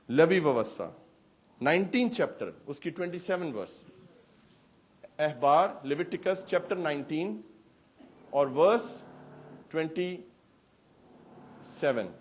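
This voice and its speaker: High-voiced male pastor. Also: pauses often, husky. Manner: animated preaching with rhetorical questions. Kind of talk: sermon. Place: church hall service.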